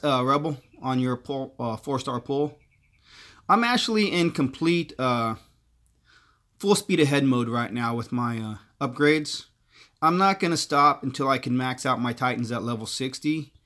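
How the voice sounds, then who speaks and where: A man's voice: mid-range voice, normal speed, fairly bright tone. A man hosting a gaming livestream, chatting casually and thinking aloud, with many filler words. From partly Korean heritage. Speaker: livestream host.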